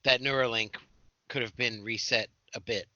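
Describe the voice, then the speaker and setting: A man on a podcast with a very bright, sharp voice, stopping and restarting as he talks. The sound is dry and somewhat dull. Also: medium pitch, fairly even intonation, dry recording. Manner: halting, self-deprecating. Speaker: podcast co-host. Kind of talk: casual banter.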